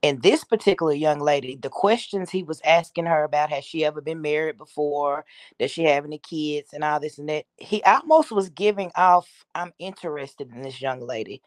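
A woman's voice: sits low, a little fast, no room sound. A woman giving casual, opinionated commentary, talking directly to her online viewers in a conversational way. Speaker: YouTube commentator, host.

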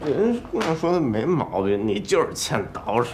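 A sloppy, giggling drunk, as an actor plays him, a divorced man who rambles and teases with a drawl. His pitch leaps wildly from low mutters to squeaky highs. The scene sounds roomy, with loud music playing under it. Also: sing-song, moderate pace, close to an everyday voice. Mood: drunk, teasing.

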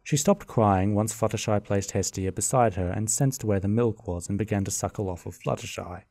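A man narrating a fan radio drama in a plain, steady storybook manner. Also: fairly low pitch, normal speed, creaky, no room sound, studio quality.

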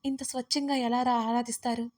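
A woman's voice: on the high side, flat delivery, brisk, lightly acted. A woman reading an emotional, remorseful young woman. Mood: heartfelt. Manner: soft, tearful, heartfelt. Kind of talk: audio story reading.

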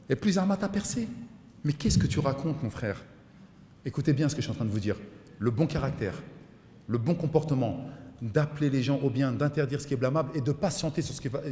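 A middle-aged man, an imam, giving an animated mosque lecture and mixing in street slang. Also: mid-range voice. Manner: animated preaching, mixes in street slang, voices his son and inner voices. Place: mosque hall. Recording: echoey hall.

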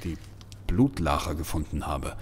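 An actor playing a shaken, hesitant museum director in an audio drama. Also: male voice, rumbling low, lively intonation, full character voice. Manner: hesitant, halting. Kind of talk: German audio drama acting. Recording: long hall reverb, faint music.

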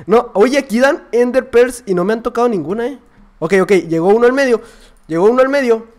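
Un joven con acento latinoamericano que comenta sus partidas con emoción, grita cuando pierde y murmura entre jugadas. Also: male voice, very high-pitched, moderate pace. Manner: excitable, yells at sudden deaths then drops to mutters. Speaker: gaming youtuber. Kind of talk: gameplay commentary.

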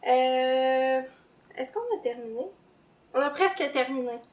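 A woman's voice: high voice, level tone, unhurried. A woman with a Québécois French accent hosting a knitting podcast in casual chat, chatty and easily sidetracked, often laughing. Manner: chatty, laughs easily, loses her train of thought. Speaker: knitting podcast host and pattern designer.

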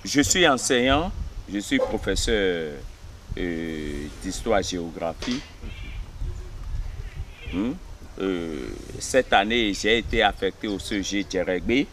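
A man in his fifties from Benin, a history teacher, telling village history in an outdoor interview, pausing on fillers and often checking he is understood. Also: deep voice, expressive, noisy background. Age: 50s. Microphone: camera at close range.

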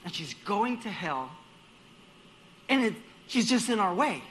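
High, lively-voiced man preaching a sermon. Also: a little slow, slight background noise. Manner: animated, acts out dialogue in other voices; repeats words while gathering his thoughts. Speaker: guest preacher.

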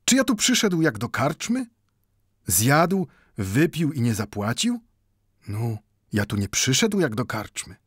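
Playing an older Jewish bookbinder in an audiobook, a man speaks broken Polish peppered with "nu," getting heated as he pleads. His mid-range voice is sing-song, unhurried and slightly breathy, raised in pitch, and recorded with studio quality and no echo.

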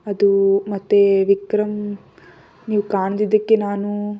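A woman voicing a timid, devoted young bride in a storybook narration, speaking hesitantly and haltingly. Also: mid-range voice, monotone, natural voice. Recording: dull lo-fi audio.

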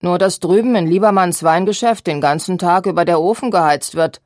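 A woman's voice: on the low side, fairly quick, darkish tone, no echo, clean studio sound, lightly acted. A woman reading a sly, mocking seamstress. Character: spiteful seamstress with a sharp tongue.

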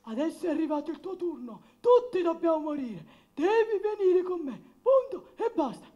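A performer voicing Death as a bossy, exasperated skeleton puppet, scolding and commanding in a squeaky, shrill voice. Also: big pitch swings, normal speed, mellow, lo-fi sound. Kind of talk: Italian puppet theatre slapstick.

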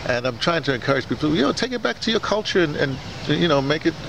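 A man's voice: a little high, sing-song, fast talker, gravelly. A man interviewing someone in a casual, rambling way, often stammering and repeating words and phrases. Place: outdoors beside a building. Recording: noisy outdoor camera sound, urban ambience.

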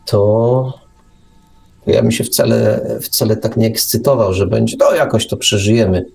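A man's voice: fairly low pitch, a little slow, vocal fry, darkish tone, faint music behind. A man co-hosting a talk show, giving an opinionated, sarcastic monologue with emphatic rhetorical questions and repeated words. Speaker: radio show co-host and commentator.

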